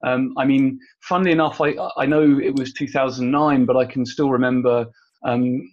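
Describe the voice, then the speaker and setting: A man hosting a webinar and inviting questions, halting and repeating words. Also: mid-range voice, little pitch movement. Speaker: webinar host. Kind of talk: webinar moderation. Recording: muffled lo-fi call audio.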